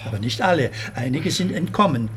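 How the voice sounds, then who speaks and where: A man's voice: on the high side, expressive, a little fast, noisy background, close to an everyday voice. An actor playing a proud retired plasterer in his seventies in a radio play, telling his family's war story earnestly. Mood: somber. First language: Italian.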